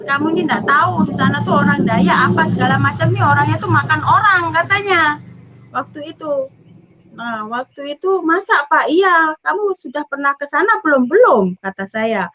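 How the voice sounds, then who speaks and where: Young woman telling her church testimony, high voice, bit muffled lo-fi sound, acts out all the back-and-forth. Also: noisy background. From East Java, Indonesia. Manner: emotional storytelling, acting out dialogue. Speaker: testimony speaker.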